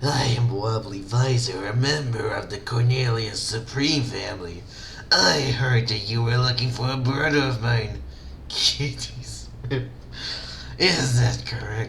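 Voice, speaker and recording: A low, put-on character voice speaks at a fairly slow pace. Clear background noise runs underneath. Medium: read story.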